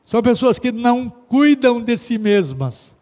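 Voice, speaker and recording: High-voiced Brazilian pastor preaching in a hall. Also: male voice, very animated, measured pace. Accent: Brazilian Portuguese. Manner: emphatic, exhorting, swings between loud stresses and quiet asides. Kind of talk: sermon. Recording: long hall reverb.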